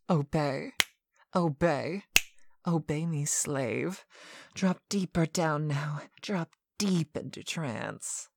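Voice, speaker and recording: A woman performing a scripted hypnotic monologue as a domineering mistress, sweet yet stern, with commanding, deliberate delivery and some breathy whispered phrases. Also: low-pitched, a little mellow, no echo, clean studio sound.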